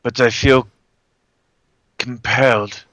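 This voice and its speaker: A man voicing a solemn nonhuman swamp creature in a tabletop game, speaking formally and haltingly without contractions. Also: medium pitch, steady tone, sharp tone, dry recording, rough recording. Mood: solemn, hesitant. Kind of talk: tabletop roleplay in character.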